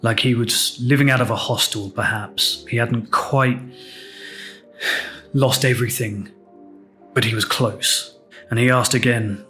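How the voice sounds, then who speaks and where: A man with an English accent hosting a podcast, telling a personal story in a reflective, candid, unhurried way. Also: mid-range voice, steady tone, sharp tone, soft background music. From England. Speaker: podcast host.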